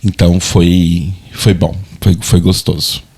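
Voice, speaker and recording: A man's voice: sits low, level tone, slow, a little mellow, a little hiss or hum. A man in his thirties with a Brazilian accent, co-hosting a podcast in casual chat, reflective and hesitant, often repeating words as he searches for them. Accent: Brazilian Portuguese. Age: 30s. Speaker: podcast co-host.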